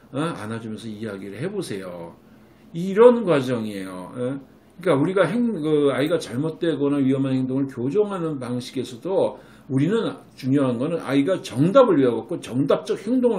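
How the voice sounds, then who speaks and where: A middle-aged man, a clinic director, lectures parents on raising children, animated, acting out what a mother might say. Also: on the high side. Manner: animated, acts out a mother's voice when quoting. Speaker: Korean medicine clinic director giving parenting advice.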